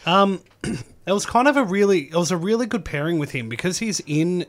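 A man being interviewed about his music, telling the story in a relaxed, chatty way. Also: high voice, normal speed. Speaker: musician guest. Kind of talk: casual interview chat.

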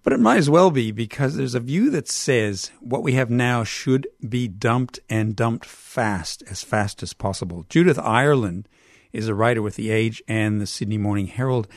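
A man with a Canadian accent hosting a radio interview, measured and hesitant with fillers. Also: mid-range voice, no room sound, clean studio sound. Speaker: radio host.

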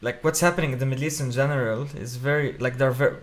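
A man from Lebanon, a musician, talks as a guest in a radio interview. His pitch is mid-range for a man. He speaks thoughtfully and often pauses to find the right words. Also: steady tone. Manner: reflective, searching for words.

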